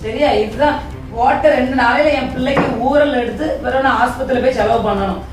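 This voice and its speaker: A woman plays a domineering mother-in-law in a homemade family skit, her fairly high voice lecturing and scolding. The sound is a bare, strongly echoing room caught from a distance, with faint music underneath. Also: steady tone, fairly quick. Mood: scornful. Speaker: actor in a church family skit. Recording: echoey room, far mic, faint music.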